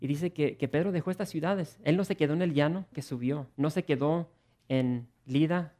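A man preaching a sermon in an earnest, animated way, repeating words and restarting phrases as he asks his listeners rhetorical questions. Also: fairly high pitch, normal speed. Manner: earnest and animated, with frequent word repetitions and restarts.

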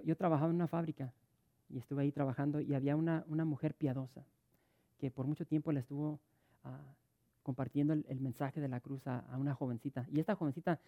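A man's voice: medium pitch, phone-quality sound. A middle-aged man preaching a sermon, telling stories with many stuttered restarts. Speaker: pastor.

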